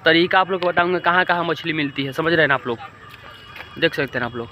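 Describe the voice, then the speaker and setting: A man's voice: a little high, fast, lo-fi sound. Young man vlogging outdoors. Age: young adult. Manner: chatty, addresses viewers directly, mixes in English words. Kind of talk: casual outdoor vlog. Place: outdoors by a pond and river. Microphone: phone held at arm's length. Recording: noisy outdoor phone recording.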